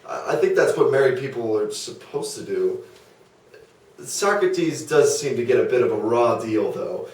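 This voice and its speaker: Man acting chatty ancient Greek gossip, rambling delivery, mid-pitched, comedic stage read, distant echoing meeting room. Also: lively intonation, normal speed, darkish tone, lightly acted. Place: small meeting room around a table. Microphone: far camera or table recorder.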